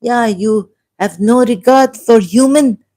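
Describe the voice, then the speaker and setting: Woman doing a solo commentary video, slow and mellow, thinks out loud and keeps asking "right?". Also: a little high. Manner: musing, thinking aloud, breaks off mid-phrase; argumentative, asks the listener questions. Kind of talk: solo video commentary reading scripture aloud.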